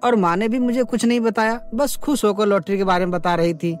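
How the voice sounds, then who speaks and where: A man voicing a caring, calm young husband with gentle, concerned delivery in a cartoon story. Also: high-pitched, a little fast, faint music behind, lightly acted.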